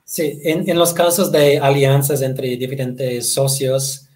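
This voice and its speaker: A man in his thirties, a native Portuguese speaker, fields questions on a video call at a medium pitch. He talks haltingly, repeating words and tacking short tag questions onto his phrases. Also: steady tone, a little mellow, low-quality recording. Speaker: guest presenter. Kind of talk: webinar Q&A answers. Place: home room, indoors.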